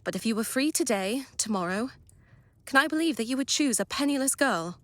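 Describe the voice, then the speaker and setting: Casting: actress for resolute heartbroken young lady, formal period delivery, lightly raised pitch, audio drama. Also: animated, no echo, natural voice. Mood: tender resignation. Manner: measured, earnest, formal. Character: sorrowful, resolute young fiancée releasing her beloved.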